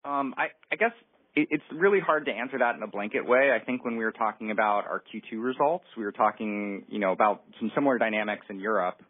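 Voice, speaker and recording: A man's voice: lowish voice, fast talker, breathy edge, no room sound. A man answering analyst questions as a company executive, hesitant and careful to hedge his points. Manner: hesitant, hedging. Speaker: company executive on an earnings call. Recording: muffled narrowband phone line.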